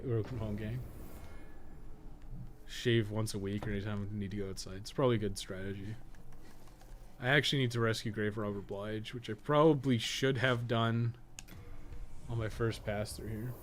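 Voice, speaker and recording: A gaming livestream host in his thirties with a Canadian accent speaks in a voice on the low side, with fairly even intonation, a moderate pace and long pauses. He rambles casually while playing, cursing colloquially. The recording carries noticeable background noise.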